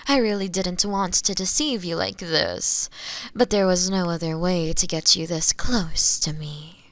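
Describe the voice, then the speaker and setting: Slow, creaky-voiced seductive witch, acted by a woman. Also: mid-range voice, dry recording. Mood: teasing, mock-apologetic. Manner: unhurried, teasing, condescendingly sweet, often drops into whispers. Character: sly, seductive female witch captor, possessive and self-assured. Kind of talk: roleplay audio drama, spoken to the listener.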